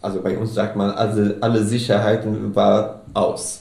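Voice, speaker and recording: A man speaks with an Arabic accent in a somewhat breathy voice. His tone is dark and mellow, and the room echo is audible. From Syria, Aleppo. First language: Arabic (speaking German). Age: 40s. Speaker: refugee. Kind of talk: interview. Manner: halting.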